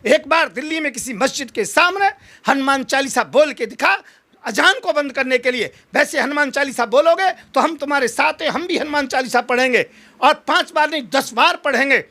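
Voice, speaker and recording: A man's voice: extremely high pitch, brisk, sharp tone. A man giving an impassioned political interview, speaking in combative, emphatic oratory full of rhetorical challenges. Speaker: interviewed Hindu holy man active in politics.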